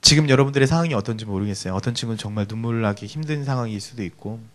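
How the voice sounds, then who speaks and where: Earnest soft-spoken man preaching. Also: mid-range voice, rapid-fire. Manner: earnest, pleading, often drops to a soft hush. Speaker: youth pastor. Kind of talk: sermon. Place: church hall.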